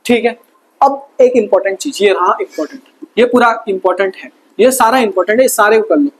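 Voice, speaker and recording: A man teaching a fast exam revision lesson, casual and chatty, asking quick questions and answering them himself. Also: high-pitched, slightly rough, poor audio. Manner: quizzes himself with quick call-and-response questions. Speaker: science tutor.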